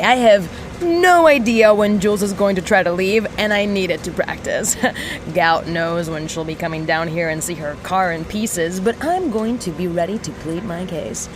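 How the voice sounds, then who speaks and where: A woman playing an excitable young mechanic in an audio drama, theatrical, playful and prone to halting, rambling speeches. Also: medium pitch, a little hiss or hum, lightly acted. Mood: eager, rehearsing. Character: excitable young tinkerer mechanic fond of explosions, scheming and playful. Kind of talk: audio drama monologue addressed to aliens.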